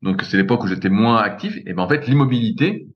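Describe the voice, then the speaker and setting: A man's voice: lowish voice, lively intonation. Man, casual podcast talk, wry jokes, dull lo-fi recording. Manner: joking, slow and measured. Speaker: podcast co-host.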